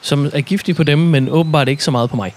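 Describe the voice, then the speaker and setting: A man playing a tabletop game in character, upbeat and confident, coaxing his companion along. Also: fairly high pitch. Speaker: player. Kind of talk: tabletop role-play in character.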